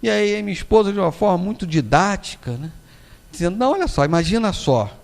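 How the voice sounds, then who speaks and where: A Brazilian spiritist lecturer with a Brazilian Portuguese accent gives a public lecture full of anecdotes, acting out quoted voices and tossing in frequent tag questions. His high voice is gravelly and fast-talking, ringing with long hall reverb.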